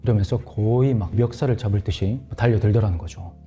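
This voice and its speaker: A man telling a ghost story in a hushed, dramatic way on a horror talk show, sometimes dropping to a murmur. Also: on the low side, fairly even intonation, quick pace, faint music behind.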